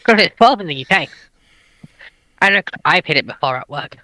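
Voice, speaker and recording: Lively, bright-voiced man. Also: on the high side, fairly quick, no echo, low-quality recording. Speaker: livestream panelist. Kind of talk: casual banter.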